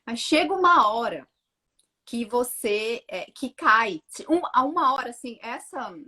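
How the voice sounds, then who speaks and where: A woman in her thirties, a mother telling her story on a casual live chat, acting out her own words with lively energy. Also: on the high side, a little slow. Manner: animated storytelling, acts out her own quotes. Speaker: guest, mother of two.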